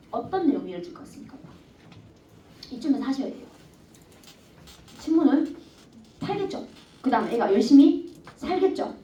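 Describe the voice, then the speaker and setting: A woman's voice: a little high, warm tone. A woman teacher with a Gyeongsang accent lecturing a class, constantly asking students questions. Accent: Gyeongsang dialect. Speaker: Korean language teacher. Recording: echoey classroom from far off, dull.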